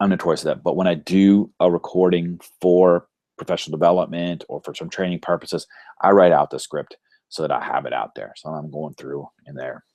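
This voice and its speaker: Very deep, low male voice of dark, mellow tone, fairly even intonation, big swings in loudness and a fairly quick pace, dry and close with no echo over a quiet background. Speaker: instructional technology consultant presenting a webinar. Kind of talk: online workshop presentation. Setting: live video webinar. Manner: fast.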